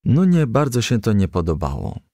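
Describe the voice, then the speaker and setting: A man narrating a children's storybook as a gentle, lively storyteller. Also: lowish voice, moderate pace, no room sound, clean studio sound.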